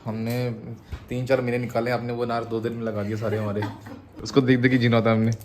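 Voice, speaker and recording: A man's voice: medium pitch, level tone, fast, background noise. A young man chatting casually in a daily vlog, teasing and joking as he talks. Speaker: vlogger.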